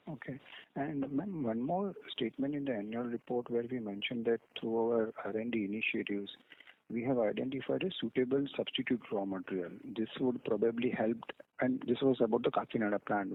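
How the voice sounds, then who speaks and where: Male financial analyst, Indian accent, gravelly mid-pitched voice, questioning management on a slightly noisy narrowband call. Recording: noisy, tinny phone line with clicks.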